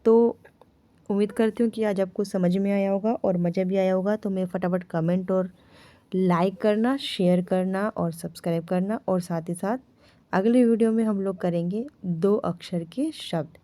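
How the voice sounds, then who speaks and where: A woman teaching beginners to read Hindi, sounding out each syllable slowly and checking with the learners as she goes. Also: medium pitch, steady tone, warm tone, dry recording. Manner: drawn-out syllable-by-syllable spelling, frequent "ठीक है" checks; teasing corrections of wrong pronunciations. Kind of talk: slow, patient beginner lesson, sounding out letters.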